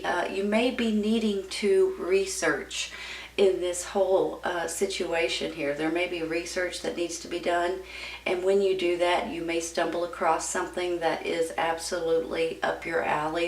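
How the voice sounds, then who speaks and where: Female tarot reader, gravelly fry, encouraging folksy chat to viewers, recorded away from the mic. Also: on the low side. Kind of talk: casual tarot reading addressed to viewers. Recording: roomy, distant mic with background noise.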